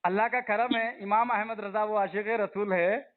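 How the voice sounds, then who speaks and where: A man's voice: high voice, fairly even intonation, moderate pace. A man leading a heated religious debate, pressing his opponent with repeated questions and interruptions. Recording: tinny phone-line audio.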